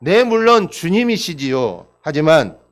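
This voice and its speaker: A man's voice: on the high side, sing-song, measured pace. A male pastor voicing a tired middle-aged deacon who complains and pleads in a sermon story. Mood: grumbling.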